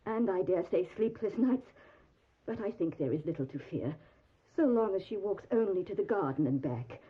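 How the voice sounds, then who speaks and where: Husky, fretful genteel mother. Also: medium pitch, expressive, normal speed. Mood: fretful, confiding. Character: fretful genteel Victorian mother, confiding and dramatic. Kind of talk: audio drama acting. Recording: narrow phone-like audio.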